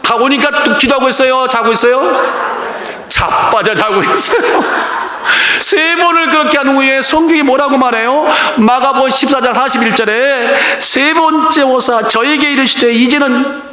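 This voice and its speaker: Pastor guy preaching, bright high voice, acts out stories, laughs a lot. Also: normal speed. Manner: lively storytelling preaching, acts out dialogue, laughs often. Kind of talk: sermon. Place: church sanctuary. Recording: echoey church hall.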